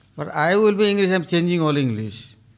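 A man's high voice at a fairly slow pace with lively intonation. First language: not English. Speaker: Vaishnava guru. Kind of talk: sermon.

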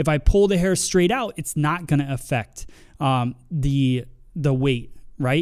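This man has a normal speaking voice, fairly high in pitch with ordinary variation, heard in a very clean recording with a silent background. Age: 30s. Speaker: hairstylist and podcast host. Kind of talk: casual Q&A monologue. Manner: casual with filler words.

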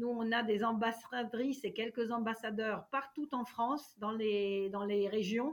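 This woman has an unremarkable speaking voice, fairly high in pitch, with fairly even intonation. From Italy. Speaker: railway company executive. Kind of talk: interview. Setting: remote call.

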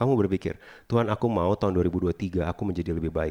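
Over a silent background in a very clean recording, a man talks very fast with ordinary pitch variation, the sound dry and close with no echo. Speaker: pastor. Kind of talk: sermon.

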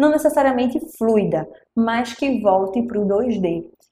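A calm, dark, mellow tone at a fairly slow pace, with ordinary pitch variation. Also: woman. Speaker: design lecturer. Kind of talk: lecture. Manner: hesitant, many fillers.

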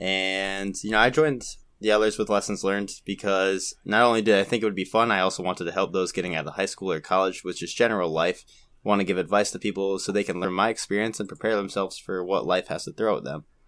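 In a very clean recording with a silent background, a man with an American accent speaks at a very fast pace. His pitch is fairly low and his intonation fairly even. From northern New Jersey. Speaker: podcast co-host. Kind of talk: casual chat.

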